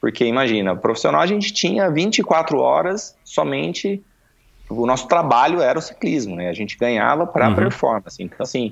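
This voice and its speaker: A man speaks at a moderate pace with very wide swings in pitch. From Campinas, São Paulo state, Brazil. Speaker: former pro cyclist and cycling youtuber. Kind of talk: casual interview chat.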